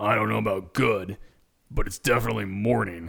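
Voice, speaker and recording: Raspy and gruff, a man's put-on character voice runs at a fairly quick pace, fairly low in pitch, with lively intonation. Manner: grumpy, curt.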